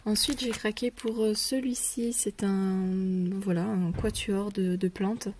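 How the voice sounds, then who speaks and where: Woman chatting through a craft haul, mellow voice, lots of ums, faint hiss behind. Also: medium pitch, steady tone. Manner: hesitant, many pauses and fillers; drops to a whisper when showing items. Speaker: scrapbooking vlogger. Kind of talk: casual product haul.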